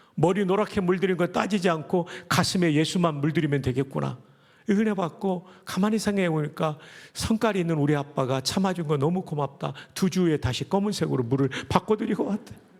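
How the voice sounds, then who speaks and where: This man's voice sits at a high pitch, moving at a fairly quick pace with very even loudness. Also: ordinary pitch variation. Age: 60s. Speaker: pastor. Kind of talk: sermon.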